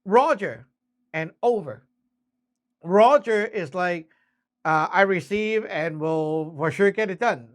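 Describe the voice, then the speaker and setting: This radio communication instructor, a man with a very high-pitched voice, speaks slowly and leaves long pauses. His casual lesson spells everything out step by step, includes acted-out example exchanges, and keeps checking in with short tag questions. His tone is a bit bright.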